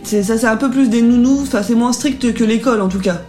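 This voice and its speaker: A woman's voice: a little high, brisk, darkish tone, soft background music. Bubbly woman radio columnist. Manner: friendly, bubbly greetings to listeners. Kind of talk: casual radio chat.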